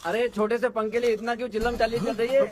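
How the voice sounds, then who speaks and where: A teasing uncle, very high and rattling off fast, music behind. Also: male voice, level tone. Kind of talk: Hindi film dub.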